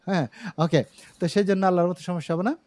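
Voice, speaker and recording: A middle-aged man from Bangladesh with a Chittagong Bengali accent teaches an online English pronunciation class from his own studio, explaining slowly and having students repeat words. His voice is high, steady and darkish, with no echo.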